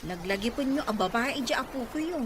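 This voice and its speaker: Over clear background noise comes an actress playing a caring, scolding village woman with an Ilocano accent. Her voice sits high and swings widely, in the manner of a radio drama. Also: expressive, a little fast, close to an everyday voice. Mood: scolding, worried. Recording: clearly noisy ambient background.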